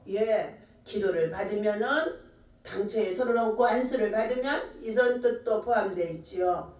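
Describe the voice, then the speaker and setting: A woman's voice: medium pitch, darkish tone. A woman pastor preaching a sermon and retelling a Bible story, breaking it up with frequent short interjections. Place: church sanctuary. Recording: echoey room, voice from a distance.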